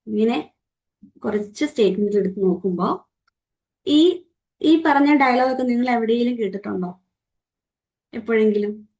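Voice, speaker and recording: A young woman with a Malayali accent leads a morning training session, asking her group questions and acting out quoted remarks in an interactive talk. Her voice is medium-pitched with a darkish tone, and the audio sounds dull.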